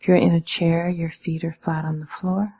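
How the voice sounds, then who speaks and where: A woman meditation teacher giving calm, measured guided instruction in a breathy, slightly husky voice, with gentle pauses. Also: lowish voice, poor audio.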